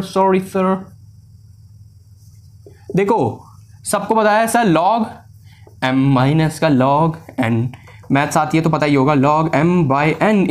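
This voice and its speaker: Slow, high-voiced male physics teacher. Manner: talks students step by step through a derivation, calling them sir and beta; mixes English formula terms into Hindi. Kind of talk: blackboard lesson. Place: classroom at a board.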